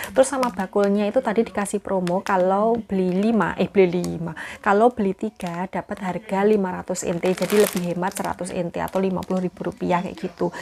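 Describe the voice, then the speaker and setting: Very fast and with hardly any pauses, a woman speaks at a medium pitch in a dark, mellow tone with fairly even intonation. The recording is very clean, over a silent background. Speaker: migrant domestic worker vlogger. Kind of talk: casual vlog talk. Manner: quiet, speaking softly.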